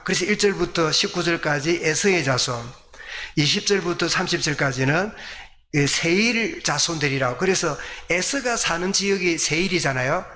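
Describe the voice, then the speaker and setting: During a church service, a South Korean pastor delivers a sermon in which he asks the congregation rhetorical questions and then answers them himself. His voice sits fairly high, with a bright, forceful tone.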